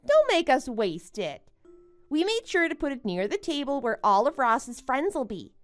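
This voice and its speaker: Casting: actress as smug bride-to-be for animated story drama, high and very animated, gloating and condescending. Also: female voice, moderate pace, soft background music. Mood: boastful. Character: smug, boastful young bride who taunts her friend. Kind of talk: melodramatic animated-story voice acting.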